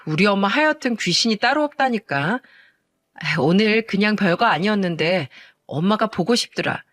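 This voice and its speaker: A woman's voice: mid-range voice, expressive, normal speed, a bit bright, no echo, natural voice. A narrator voicing a weary young female teacher who complains to her mother about her students and their parents, heard dry and close. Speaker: elementary school teacher.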